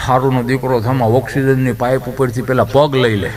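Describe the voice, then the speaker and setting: A man's voice: mid-range voice, flat delivery, fairly quick, a little mellow, pitched below the performer's own voice, natural voice. A man voicing a grumpy, scolding old man in a hospital. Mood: gruff. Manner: gruff, scolding.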